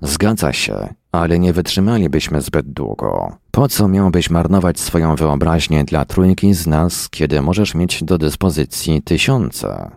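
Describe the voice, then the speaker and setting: A man's voice: a bass voice, lively intonation, a little slow, gravelly, hardly any pauses, darkish tone, no echo, clean studio sound, exaggerated voice. A man reading the lines of a desperate, trapped space traveller, urgent and pleading.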